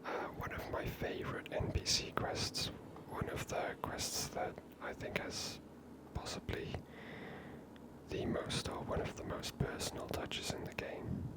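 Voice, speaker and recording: A host giving soft, relaxed, whispered commentary over a video game, chatty and unhurried. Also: poor audio. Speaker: ASMR gaming channel host.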